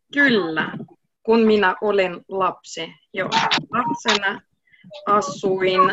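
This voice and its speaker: A woman's very slow speech with long, frequent pauses and ordinary pitch variation over loud background noise. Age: 30s. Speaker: Finnish language teacher. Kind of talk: language lesson. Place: home room. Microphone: webcam.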